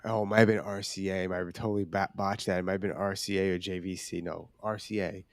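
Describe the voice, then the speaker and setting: A male podcast co-host with a fairly low voice in a very dry recording. He talks casually and informally, with swearing mixed in. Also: fairly even intonation, fast talker, no room sound. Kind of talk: casual chat.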